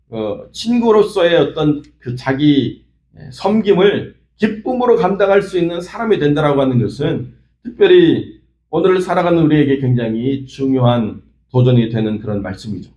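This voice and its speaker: A man's voice: on the high side, expressive, normal speed, dark tone, reverberant, poor audio. A man preaching an early-morning sermon as pastor, telling a story in an earnest way with frequent small fillers. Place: church sanctuary.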